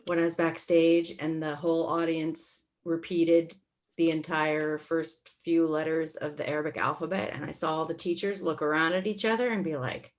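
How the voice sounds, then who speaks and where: Lower-voiced woman telling casual anecdotes. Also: level tone, moderate pace. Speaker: actor and stage manager. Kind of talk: casual anecdotal panel chat.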